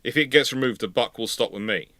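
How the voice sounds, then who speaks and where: A man's voice: medium pitch, quick pace, bright, forceful tone, no echo. A man hosting a casual live panel chat, talking in an emphatic, repetitive way. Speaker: livestream host.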